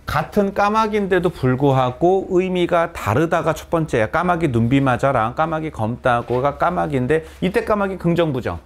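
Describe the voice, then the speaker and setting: With a voice on the high side, this man lectures expressively at a moderate pace and barely pauses. He teaches Korean literature to students present in a cram school classroom, regularly asking them things and then answering on his own.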